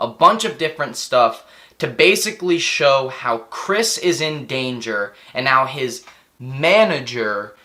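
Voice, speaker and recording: A man speaks at a fairly slow pace with a fairly high pitch. His tone is bright and sharp, with very wide pitch swings. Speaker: YouTube commentator. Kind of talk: commentary video. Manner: stuttering.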